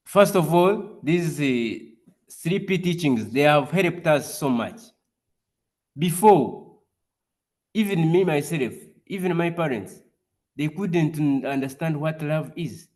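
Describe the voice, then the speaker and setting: A man gives a personal testimony as a guest speaker on a video call, pausing often and restarting his sentences. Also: a little high, animated, a little mellow. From Uganda. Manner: halting, with frequent pauses and restarts. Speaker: community group leader, guest speaker.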